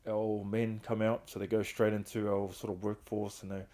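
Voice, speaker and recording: Casting: middle-aged New man, earnest guest, flat low delivery. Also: moderate pace. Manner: earnest, open, speaks of hard times with emotion. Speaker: guest, founder of a reintegration trust. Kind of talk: candid personal storytelling.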